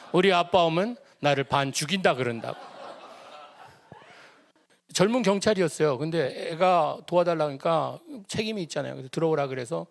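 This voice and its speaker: A middle-aged male pastor telling a family story in a sermon, animated and humorous, acting out the voices of the people in it. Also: medium pitch, no room sound, clean studio sound. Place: church prayer service.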